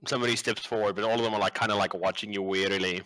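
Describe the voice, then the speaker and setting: Bright-voiced man running a tabletop game. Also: lowish voice, steady tone, low-quality recording. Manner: casual, filler-heavy narration with quick asides. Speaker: game master.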